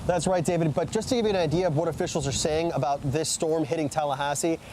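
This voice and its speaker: High-pitched American man shouting over storm wind. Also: steady tone, fast. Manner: projecting loudly over wind. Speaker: field weather reporter. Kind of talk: live storm reporting. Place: outdoors in a storm, parking lot. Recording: clear wind and storm noise outdoors. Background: wind, rain.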